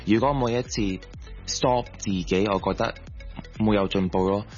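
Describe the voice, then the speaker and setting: Man, lowish pitch, English words mixed in, interview storytelling, slightly muffled audio. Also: normal speed, darkish tone, faint music behind. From Hong Kong. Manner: mixes English words into Cantonese. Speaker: interview guest, sports coach. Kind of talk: personal storytelling in a radio interview.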